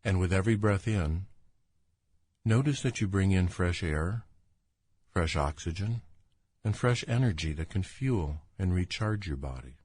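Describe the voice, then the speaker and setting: A man leading a guided imagery relaxation as a doctor, speaking in a calm, soothing, unhurried manner. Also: low-pitched, breathy edge, no echo, clean studio sound. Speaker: doctor guiding a relaxation exercise.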